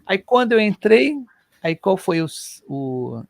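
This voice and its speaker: A middle-aged man from Rio de Janeiro, telling personal stories in an animated, colloquial way as co-host of a casual chat. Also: high voice, a little slow, creaky, no room sound, clean studio sound. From Brazil. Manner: animated, colloquial, emotional storyteller.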